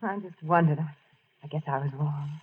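An actress playing a gentle, shy young sweetheart in a 1940s radio drama. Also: female voice, deep voice, brisk, slightly rough. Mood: shy, wistful. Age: young adult. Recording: tinny, band-limited old radio broadcast.

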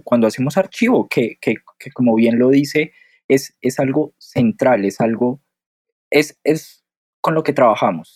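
A man's voice: medium pitch, a little mellow, no room sound. Bogotá man hosting, stammering repetitions. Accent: Bogotá Colombian Spanish. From Colombia, Bogotá. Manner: stammering repetitions, friendly and curious. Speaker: podcast host. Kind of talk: interviewer framing questions.

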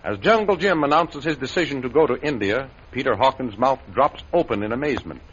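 A man's voice: mid-range voice, expressive, fairly quick, fairly bright tone, husky. A man announcing and recapping an old radio adventure serial in a formal, declamatory way. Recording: dull old radio recording with music behind.

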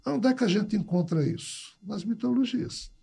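Guy, kinda high voice but mellow and husky, tells stories and acts out the quotes. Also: moderate pace. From Natal, Brazil. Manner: storytelling, acts out quoted dialogue. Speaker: podcast guest, writer and ufologist. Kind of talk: casual conversational explanation.

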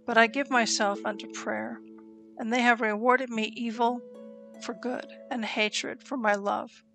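A woman giving a slow, solemn reading of scripture, with deliberate pauses between phrases. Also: on the high side, vocal fry, rough recording. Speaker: scripture reader. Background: soft instrumental music.

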